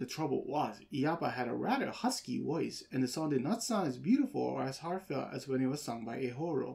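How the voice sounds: Just a natural reading voice.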